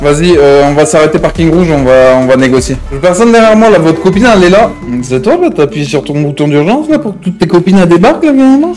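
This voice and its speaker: A man's voice: fairly high pitch, lively intonation, fast talker, hardly any pauses, darkish tone, faint music behind, lightly acted. A man playing a hot-headed, menacing gang member in an improvised online crime roleplay, talking in slang with repeated verbal tics. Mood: angry, menacing.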